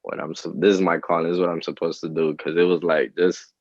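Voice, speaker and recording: A man in his twenties from the Dominican Republic, a rapper answering interview questions in a relaxed, hesitant way with many fillers. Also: deep voice, fast, dry recording. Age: 20s. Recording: dull, lo-fi, dry sound.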